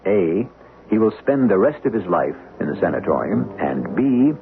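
A man hosting a radio mystery series with theatrical scripted narration, wry and philosophical in his deliberate phrasing. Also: lowish voice, sing-song, a little hiss or hum. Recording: tinny radio broadcast with music.

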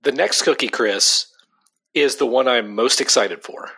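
A young adult man co-hosts a casual podcast chat, talking loosely with frequent "like" fillers and laughing easily. His medium-pitched voice is gravelly, bright and forceful, with a breathy edge and a measured pace.

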